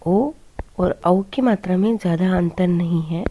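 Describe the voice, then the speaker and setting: A woman primary teacher giving a children's Hindi lesson, sounding out each syllable slowly and asking the class to repeat after her. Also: on the low side, mellow.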